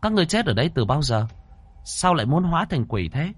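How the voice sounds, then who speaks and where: A man's voice: on the high side, big pitch swings, quick pace, husky, no room sound, voice pushed up. A young woman apprentice exorcist, as a male narrator puts her on, in a storybook ghost tale. The voice is lifted well above the reader's own and presses with questions. It sounds probing and insistent. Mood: questioning.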